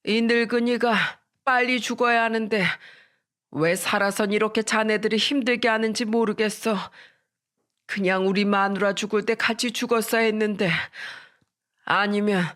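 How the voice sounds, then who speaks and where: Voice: mid-range voice, steady tone, normal speed, fairly bright tone, smooth, pitched above the performer's own voice, natural voice. A reader doing a weary, self-blaming old man. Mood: despairing. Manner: pleading, broken. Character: older father-in-law, weary and self-blaming.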